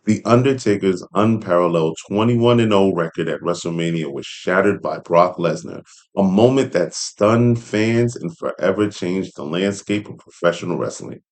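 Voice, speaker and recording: A man's voice: deep voice, normal speed. A man hosting a read-along commentary, speaking in a casual, conversational and emphatic way. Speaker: host reading an article aloud with commentary.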